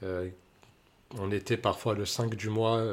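Fairly even intonation at a fairly slow pace, on a very clean recording with a silent background. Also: man. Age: 20s. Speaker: recovering gambling addict. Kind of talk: interview testimony. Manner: halting.

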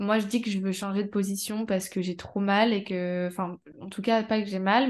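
A woman's medium-pitched voice with fairly even intonation, at a moderate pace over a quiet background. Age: 20s. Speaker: primary school teacher sharing birth story. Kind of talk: testimony. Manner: halting, many fillers.

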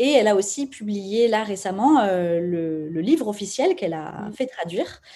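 An ordinary speaking voice from a woman, medium in pitch, with lively intonation at a moderate pace. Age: 30s. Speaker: naturopath and yoga teacher. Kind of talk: interview conversation.

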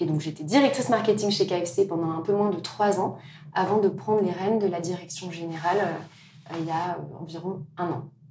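With audible room echo and noticeable background noise, a woman speaks at a moderate pace, her fairly low pitch showing ordinary variation. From France (Belgian-born, moved at 5). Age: 30s. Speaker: fast-food chain executive. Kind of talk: interview conversation.

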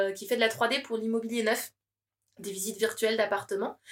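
Recorded very cleanly against a silent background, this woman talks at a fairly quick clip. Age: 30s. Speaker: startup founder. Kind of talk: casual interview chat.

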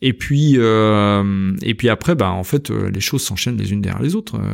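Fairly low in pitch and with ordinary pitch variation, a man talks at a fairly slow pace on a very clean recording over a silent background. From France, Paris-born, grew up in the Jura. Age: 50s. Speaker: company director. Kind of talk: podcast interview. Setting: on site at his company. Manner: hesitant, many fillers and repetitions.

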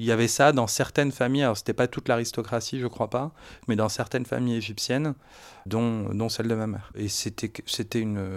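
Speaking at a fairly quick pace, a man keeps his medium-pitched voice fairly even in intonation. The recording is very clean, with a silent background. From French-speaking family of Egyptian parents. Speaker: interviewee. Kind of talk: personal testimony.

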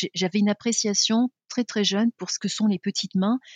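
Fairly even intonation marks this woman's somewhat breathy voice. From provincial France. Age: 40s. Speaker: magazine editor-in-chief. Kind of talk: interview conversation.

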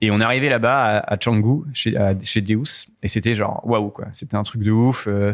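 Against a quiet background, a man speaks at a moderate pace in a medium pitch with fairly even intonation. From abroad: USA and Caribbean (Saint-Barth, Dominican Republic). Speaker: coffee shop founder and barista. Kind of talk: casual interview. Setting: inside a coffee shop after closing.

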